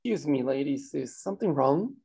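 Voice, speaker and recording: A man voicing a gentle, steady man who calms others and comforts a friend, reading in a soft, reassuring way during a screenplay table read. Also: mid-range voice, a little fast, gravelly, breathy edge, pitched above the performer's own voice. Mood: concerned.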